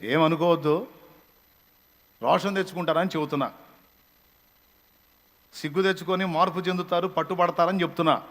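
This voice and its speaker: Man, pastor, fiery sermon, scolding and repetitive, raised pitch, reverberant hall. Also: fairly even intonation, moderate pace, pauses often. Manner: scolding, repetitive, builds to shouted rebukes.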